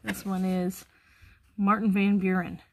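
A woman's voice: mid-range voice, flat delivery, measured pace, darkish tone. Chatty middle-aged woman unboxing finds. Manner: chatty, narrates items as she unpacks them. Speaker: host of a resale channel. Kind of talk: casual unboxing chat. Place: indoor workroom with tables and boxes. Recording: clear background noise with clicks.

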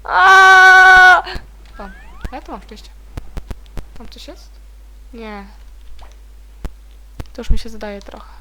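A young woman casually commenting as she plays a video game, chatty and easily startled into high shrieks. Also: takes it slowly, long pauses, a little hiss or hum. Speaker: let's play gamer.

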